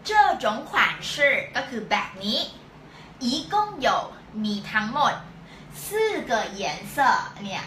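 Bright echoey woman teaching a language. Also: mid-range voice, slight background noise. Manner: slow, drawn-out repetition of words for learners; patient, explains step by step, checks understanding. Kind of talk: live-stream language lesson. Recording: echoey room.

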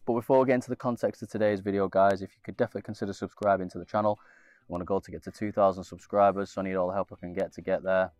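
A man's voice: low-pitched, steady tone, very fast, a little mellow, soft background music. A young man with a slightly nasal voice from a cold, casually walking viewers through an app on screen with many fillers and restarts. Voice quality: a bit nasal. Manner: rambling, lots of fillers and restarts. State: congested with a cold. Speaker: investing channel host. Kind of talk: casual screen-share walkthrough.

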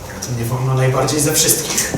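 A young male student actor playing a sneering, cynical young man who mocks everyone and flares into shouting. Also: mid-range voice, fairly even intonation, a little fast, natural voice. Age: late teens. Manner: mocking, bursts into shouting. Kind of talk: amateur stage acting. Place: converted attic hall at a school. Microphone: distant room mic. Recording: echoey room, distant mic, noisy.

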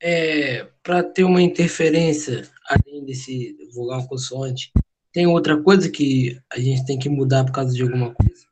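A man's voice: medium pitch, measured pace. A man, a student in an online class, asking the teacher a hesitant question. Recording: noisy, distant remote line.

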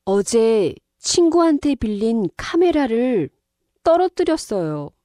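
A woman reading a scripted listening-test dialogue, slowly and with careful enunciation. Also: a little high, sing-song, mellow, no echo, studio quality. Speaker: dialogue reader on a Korean listening exam.

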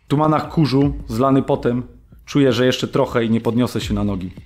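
Actor as male camp prisoner, mid-pitched. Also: brisk, faint music behind, natural voice. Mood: grim, strained. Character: male camp prisoner reliving beatings and exhaustion. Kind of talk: dramatised documentary narration in present tense.

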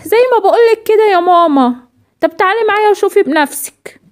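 Woman voicing an eager, insistent little Egyptian girl for a cartoon, very high and rapid. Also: lively intonation. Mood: excited. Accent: Egyptian Arabic. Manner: eager, pleading, breathless chatter.

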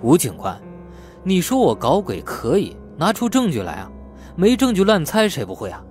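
A man's voice: on the high side, huge pitch swings, normal speed, darkish tone, soft background music, voice pushed up. A man voicing a brash young man in an audiobook, indignant, sarcastic and argumentative. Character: brash, defiant young man sparring with police officers. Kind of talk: audiobook character acting.

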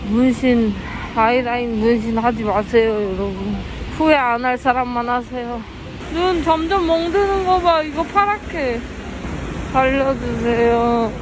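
A woman's voice: a little high, unhurried. A woman vlogging casually, whining and laughing at herself as she complains. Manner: whiny and self-mocking, laughing through complaints. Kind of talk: casual vlog chat. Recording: noisy street background.

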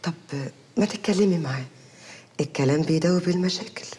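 A middle-aged actress with an Egyptian accent playing a blunt, dismissive aunt who talks brusquely. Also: female voice, lowish voice, quick pace, dark tone, natural voice. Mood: brushing off. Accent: Egyptian Arabic. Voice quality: brusque, offhand. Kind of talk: TV drama acting.

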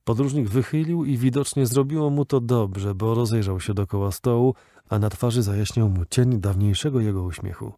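A man narrating an audiobook in a measured, even storytelling manner. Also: lowish voice, no echo, clean studio sound.

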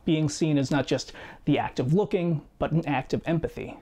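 A man in his thirties reading a scripted personal video essay in a measured, reflective way, seated in a small home studio. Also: a little high. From United States. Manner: measured, reflective storytelling with quiet asides. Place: small home studio room with guitars and shelves.

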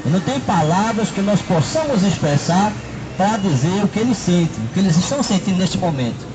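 A middle-aged man preaches outdoors in a city square, his voice sitting high for a man. He holds a handheld microphone and leans on repeated "né" and "não é" tags. Music plays clearly behind him in the open air. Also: expressive, brisk, low-quality recording. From Brazil. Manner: repetitive, fills with "né" and "não é". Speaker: street preacher.

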